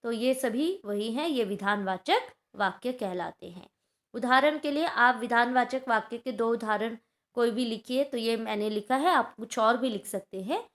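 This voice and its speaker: A woman's voice: fairly high pitch, normal speed, fairly bright tone. A woman teaching a Hindi grammar lesson to schoolchildren, explaining patiently and checking in often with her class.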